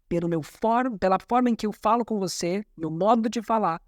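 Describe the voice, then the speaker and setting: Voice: medium pitch, fairly quick, no echo, studio quality. Methodical communication coach. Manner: didactic, methodical, repeats key terms. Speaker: communication coach analyzing a talk. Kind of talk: explanatory video commentary.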